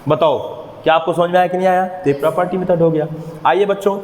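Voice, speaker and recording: A man teaches maths to a room of students, walking them through each step and stopping to ask them questions. His voice sits fairly high, and it rings in a roomy classroom with a long echo. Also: fairly even intonation, fast, a little mellow, slight background noise. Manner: explains step by step, keeps asking the class questions. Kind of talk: classroom lesson with motivational asides. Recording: echoey room, long reverb.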